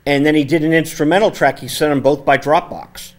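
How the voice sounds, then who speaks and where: A man hosting a casual studio interview, speaking with a naturally loud, conversational voice into a microphone set on the table. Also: a little high, steady tone, a little fast. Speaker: host. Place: community access TV studio.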